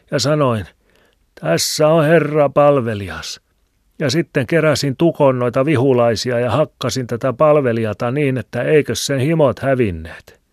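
A man's voice: mid-range voice, darkish tone, dry recording, voice pushed up, natural voice. A man voicing a stubborn, grumbling old village shoemaker with a rambling, folksy way of talking, in a dry close recording. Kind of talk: audiobook reading. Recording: dry close studio sound.

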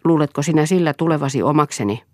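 A bitter middle-aged husband who sneers and provokes, read by a woman in an audiobook. The voice sits low and is recorded close and dry, with no room sound. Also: dry recording, natural voice. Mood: scornful.

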